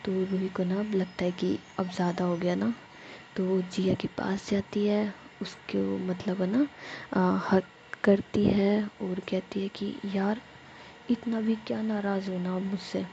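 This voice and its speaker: Soft-voiced gravelly woman storyteller. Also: medium pitch, little pitch movement, takes it slowly, highs cut off, slight background noise. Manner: soft, half-whispered narration with filler tags. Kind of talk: casual spoken story narration.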